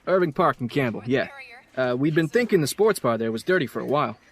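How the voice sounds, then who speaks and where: An actor playing an easygoing, apologetic police detective in an audio drama, rambling casually. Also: male voice, medium pitch, animated, fast, fairly bright tone. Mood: wry. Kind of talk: full-cast audio drama acting.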